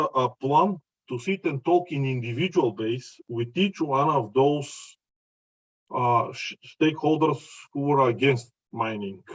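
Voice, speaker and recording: A man from Bulgaria with a Bulgarian accent gives a conference presentation in halting non-native English, often searching for words. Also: fairly high pitch. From Bulgaria, mining region near Chelopech. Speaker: mining company representative giving a presentation. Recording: slightly dull, lo-fi audio.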